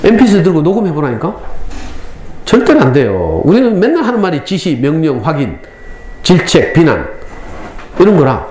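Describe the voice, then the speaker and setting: A middle-aged man with a Gyeongsang Korean accent lectures parents at a school, moving from story to lesson. His fairly high voice rises and falls widely as he acts out lines. The recording is roomy and echoey, with faint hall ambience behind him. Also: wildly swooping pitch, moderate pace, darkish tone, slight background noise.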